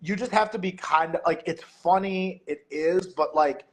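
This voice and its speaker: A man's voice: high-pitched, moderate pace. A man talking casually as a podcast guest, rambling with lots of filler words. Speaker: guest, meet director and MC.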